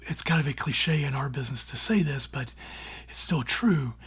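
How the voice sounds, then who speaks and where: A middle-aged man who hosts a radio show, answering interview questions in a breathy, raspy, near-whispered voice, earnest and plainspoken with casual fillers. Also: medium pitch, normal speed, a bit bright. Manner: earnest and plainspoken, with many "you know" and "like" fillers. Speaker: radio show host and former newspaper columnist.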